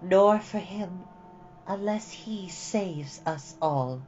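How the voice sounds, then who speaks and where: A man voicing a serene, resolute childlike empress from a fairy-tale storybook, in a soft, light, hushed voice with calm, measured delivery. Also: high voice, muffled recording, faint music behind, pitched above the performer's own voice.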